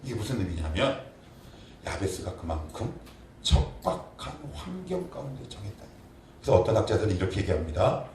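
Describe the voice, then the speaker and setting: A man's voice: on the low side, moderate pace. A middle-aged male pastor preaching a sermon, asking the congregation questions and crying out prayers. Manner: animated, asks the congregation questions, shouts acted prayers. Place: church sanctuary. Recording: echoey church room, from far off, faint noise.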